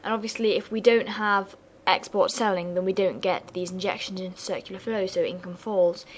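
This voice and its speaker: A young woman, hoarse and losing her voice, giving a chatty revision lesson with casual asides. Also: medium pitch, steady tone, fairly quick, slight background noise. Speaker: student revision tutor.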